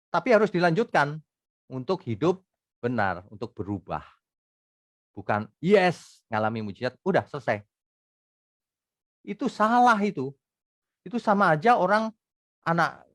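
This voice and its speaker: A man's voice: on the high side, dry recording, clean studio sound. Emphatic man preaching. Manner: emphatic, swings between loud bursts and quiet asides. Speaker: pastor. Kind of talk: expository sermon.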